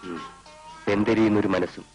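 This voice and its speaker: An actor playing a humiliated husband who speaks gravely and bitterly in a film drama. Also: male voice, fairly low pitch, flat delivery, brisk, darkish tone, faint music behind, lightly acted. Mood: brooding. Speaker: troubled husband.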